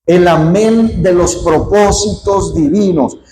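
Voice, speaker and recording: A man's voice: high voice, slow pace, echoey room, a little hiss or hum, low-quality recording. A man preaching a sermon in a church, telling a story and acting out the people in it. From Mexico. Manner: animated storytelling, acting out quoted dialogue; addresses the congregation often as "hermano". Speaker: pastor. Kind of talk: sermon with personal anecdote.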